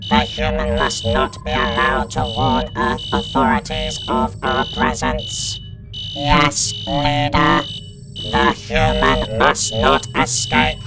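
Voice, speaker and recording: A man playing a cold, emotionless cyborg soldier in a sci-fi audio drama, giving commands in a clipped monotone through a robotic voice filter. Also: medium pitch, slow, pauses often, over music, poor audio. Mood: cold, commanding.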